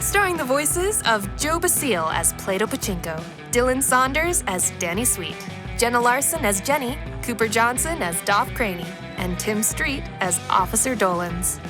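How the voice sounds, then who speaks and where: A woman narrator with a fairly high, sing-song voice delivers scripted narration and commentary for an audio drama at a normal speed, with music behind her voice.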